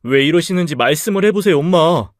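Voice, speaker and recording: A man's voice: fairly high pitch, animated, a little fast, no echo, clean studio sound, lightly acted. A man playing an anxious grown son. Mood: urgent. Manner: urgent, pressing. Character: adult son, anxious and urging his mother.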